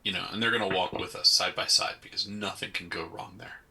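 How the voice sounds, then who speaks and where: A man's voice: low voice, steady tone, a little fast, gravelly, pushed and bright, breathy edge. A man playing a tabletop role-playing game, talking casually in character.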